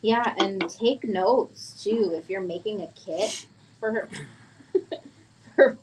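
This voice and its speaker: A woman's voice: medium pitch, extremely slow, noisy background. A woman co-hosting a live craft stream, chatting casually and reading out viewer comments. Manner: friendly, reads out viewer comments. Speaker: co-host of a live bead shop stream.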